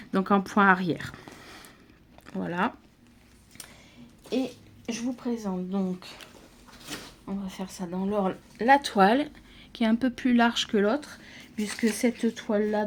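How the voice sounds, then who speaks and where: A woman's voice: mid-range voice, slight background noise. A woman from France narrating an unboxing of cross-stitch kits in a casual, hesitant way, with many fillers and restarts. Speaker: craft vlogger.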